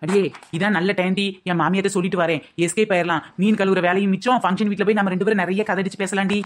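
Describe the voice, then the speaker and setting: A woman voicing a clever, theatrical young daughter-in-law in a cartoon comedy, talking fast and scheming. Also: mid-range voice, close to an everyday voice. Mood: sly. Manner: rapid, scheming, mock-tearful when flattering.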